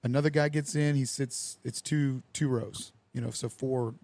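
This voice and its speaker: Young man hosting a podcast, lively anecdote teller who plays out the dialogue, mid-pitched, dry close sound. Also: normal speed, dry recording. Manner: animated storyteller who acts out quoted dialogue with lively voices. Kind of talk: casual storytelling chat.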